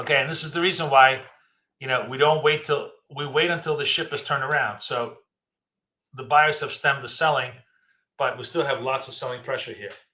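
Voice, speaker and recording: A man with a fairly high pitch speaks in fairly even intonation, leaving long, frequent pauses. Audible room echo surrounds his voice. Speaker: day trader streamer. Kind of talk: live trading commentary. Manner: casual, with fillers.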